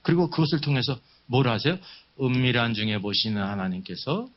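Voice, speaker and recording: A man's voice: medium pitch, a little fast. A man preaching at a Bible seminar, teaching emphatically with rhetorical questions and repeated key phrases. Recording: dull, muffled lo-fi sound.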